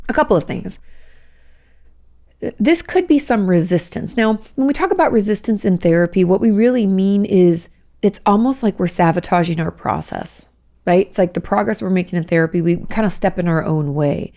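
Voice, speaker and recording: A hoarse woman, hosting a casual advice podcast as a therapist and explaining things patiently with frequent "okay?" check-ins. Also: mid-range voice, animated, moderate pace, mellow. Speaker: host, licensed therapist.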